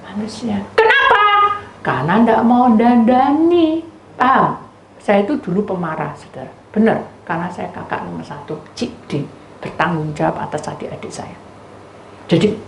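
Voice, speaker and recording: Woman pastor, East Javanese accent, lively sermon delivery with wide pitch swings, echoey room. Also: slight background noise. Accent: East Javanese Indonesian. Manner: animated storytelling, addresses listeners as "saudara". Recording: roomy echo with faint ambience.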